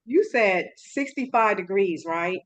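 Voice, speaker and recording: A woman's voice: mid-range voice, animated, takes it slowly. Woman interviewer, chatty, friendly, laughs easily. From California. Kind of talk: casual interview chat.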